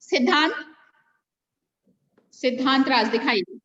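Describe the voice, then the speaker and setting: A woman's voice: high-pitched, expressive, slow pace, a bit bright, highs cut off, a little hiss or hum. An Indian woman teacher running an online class, patiently correcting pupils and calling them by name. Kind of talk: online class checking homework. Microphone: video call.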